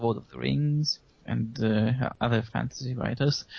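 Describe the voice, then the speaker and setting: The speaker is a man. He talks with a Russian accent. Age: 20s. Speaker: writer and podcast co-host. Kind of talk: casual chat.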